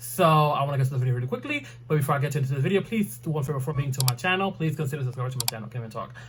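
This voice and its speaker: Noticeable background noise sits under a man talking at a very fast pace with hardly any pauses, his fairly high pitch showing ordinary variation. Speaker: beauty and lifestyle vlogger. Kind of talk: casual vlog monologue.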